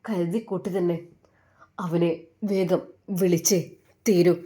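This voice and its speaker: A devout older Arab woman from a spoken storybook, kind and motherly, as a woman reader puts her on. She pleads in prayer and speaks softly to comfort others. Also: on the low side, fairly even intonation, slow. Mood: pleading prayer.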